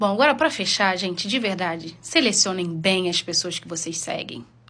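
Her tone is animated, bright and sharp, with ordinary pitch variation. The woman speaks against a quiet background. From Brazil. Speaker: online writing teacher and influencer; online writing teacher, influencer. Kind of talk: opinion monologue to camera. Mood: indignant, critical. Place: home room. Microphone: phone near.

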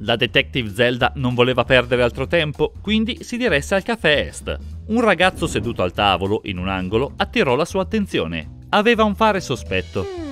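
A man talking at a fairly quick pace, dry with no echo, music in the background. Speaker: narrator. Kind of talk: storytelling narration of riddles.

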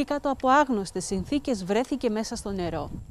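A woman with an unremarkable speaking voice talks at a moderate pace with lively intonation, the sound dry and close with no echo. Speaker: news reporter. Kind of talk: news report narration.

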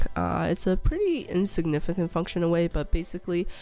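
Music plays in the background as a woman talks at a fairly quick pace. Her pitch is fairly low, with ordinary variation. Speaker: digital artist. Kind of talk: software tutorial narration. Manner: occasional slurred words, many filler ums.

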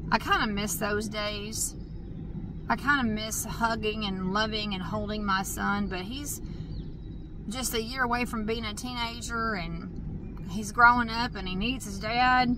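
The speech comes at a fairly slow pace, the sound dry with no echo but with noticeable background noise. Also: woman. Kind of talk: casual vlog chat. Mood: wistful, reflective. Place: car. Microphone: phone near.

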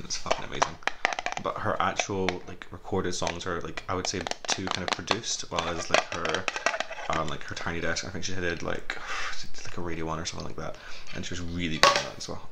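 Over loud background noise, a soft-spoken man talks at a very fast pace in a monotone, flat intonation, broken by long, frequent pauses. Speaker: ASMR creator. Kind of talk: ASMR soft-spoken ramble. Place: home room. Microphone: studio mic.

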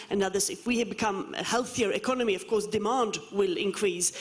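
Speaking fairly quickly, a woman uses ordinary pitch variation. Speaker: speaker. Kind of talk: panel discussion answer. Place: hall. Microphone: handheld.

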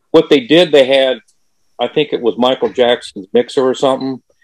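A man with a Southern US accent at a fairly quick pace, in a dry sound with no echo and a quiet background. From US South. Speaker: music fan panelist. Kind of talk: casual chat. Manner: halting. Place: home room. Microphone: video call.

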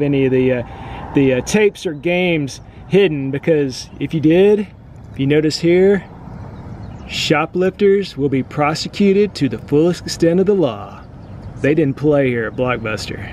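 A man is heard in a dry sound with no echo, with light background noise. His pitch varies in an ordinary way. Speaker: vlogger. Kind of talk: casual vlog chat. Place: street. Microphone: phone near.

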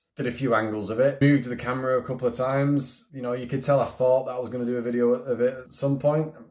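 A man with a Mancunian accent at medium pitch, very fast and monotone with flat intonation, amid noticeable background noise. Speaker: street artist YouTuber. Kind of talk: casual vlog narration. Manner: chatty, rambling with hesitations.

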